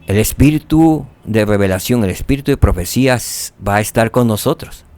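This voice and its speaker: Man teaching a scripture lesson, lively rising and falling pitch, dry close sound. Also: a little fast, no room sound. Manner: animated, rhetorical questions, drops to soft tones for emphasis.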